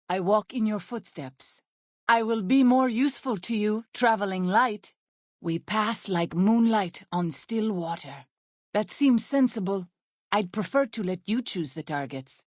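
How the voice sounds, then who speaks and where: A gentle tribal healer from a video game, with a mid-pitched voice. She speaks earnestly in careful, formal phrases free of slang. The recording is close and dry, like studio game dialogue. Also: no echo. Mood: calm, earnest. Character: Waking Cloud, gentle, earnest tribal woman healer and companion. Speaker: video game companion character and ending narrator. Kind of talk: scripted video game voice acting. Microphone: close studio microphone, dry.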